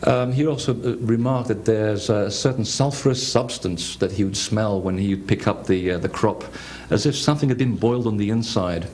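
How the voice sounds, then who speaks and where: A man's voice: on the low side, normal speed, hardly any pauses, a little mellow, slight background noise. A man from Portugal with a Portuguese accent giving a conference lecture with slides, hesitant, with many fillers and restarts.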